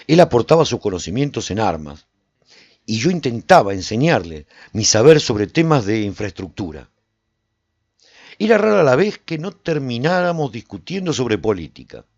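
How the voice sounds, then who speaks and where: A reflective survivor telling his story in a radio drama. His measured, dramatic delivery moves through a lively range of pitch. The sound is very dry and a little muffled, like a close lo-fi studio recording. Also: dry recording. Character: reflective male survivor recounting life in a post-apocalyptic walled city. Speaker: narrator and actor in a radio serial. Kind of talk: first-person dramatic scripted narration.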